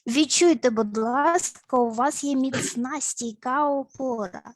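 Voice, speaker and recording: A woman psychologist leading grounding exercises in an online session, speaking in a slow, instructive way with repeated words and playful sounds. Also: high-pitched, dry recording. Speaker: family and child psychologist. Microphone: video call.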